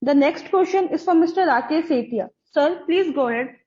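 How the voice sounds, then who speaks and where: A woman's voice: sits high, animated, moderate pace, darkish tone. A woman moderating a conference call with formal, scripted announcements. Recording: dull, band-limited conference call audio.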